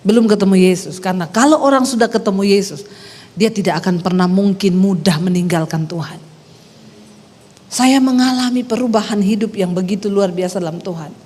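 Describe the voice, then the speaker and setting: A woman pastor from Sulawesi with a Sulawesi accent, preaching a sermon as lively storytelling with rising phrase endings. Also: medium pitch, normal speed. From Sulawesi, Indonesia. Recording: long reverb of a hall.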